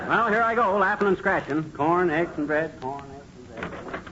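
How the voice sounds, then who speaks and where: An actor playing a boastful, forgetful middle-aged husband in a 1940s radio comedy, blustery and chuckling. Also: male voice, a little high, lively intonation, normal speed, natural voice. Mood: bluster. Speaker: comic lead. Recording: muffled noisy old radio broadcast.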